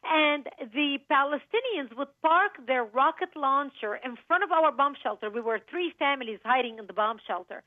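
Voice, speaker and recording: A woman's voice: high-pitched, no room sound. A woman from Lebanon speaking earnestly as a guest in a radio interview over the phone. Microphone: telephone. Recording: tinny phone line.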